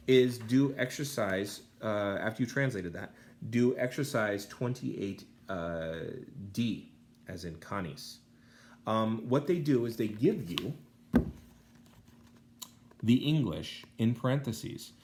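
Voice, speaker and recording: An American man giving a Latin lesson, reading aloud and translating with deliberate pauses and informal asides. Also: fairly low pitch. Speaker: Latin teacher.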